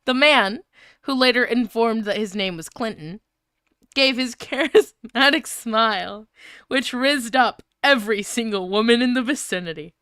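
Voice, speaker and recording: A woman's voice: on the high side, unhurried, sharp tone, clean tone, no echo, clean studio sound. A woman streamer reading fan fiction aloud and chatting casually, in a giggly, easily flustered manner. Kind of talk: live fanfiction reading with casual chat.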